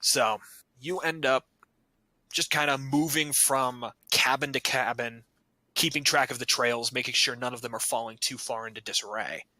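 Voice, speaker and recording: A man narrates a tabletop game as game master, loose and joking, and he curses casually. His voice is very bright and sits close and dry. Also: medium pitch, fairly even intonation, moderate pace, no echo, low-quality recording. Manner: casual, joking, swears freely.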